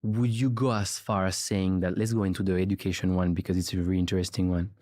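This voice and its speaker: A man's voice: low voice, little pitch movement, fast, a little mellow, no echo, studio quality. A man hosting a podcast interview, agreeable and prompting, often tagging his points with "right?". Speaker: podcast host.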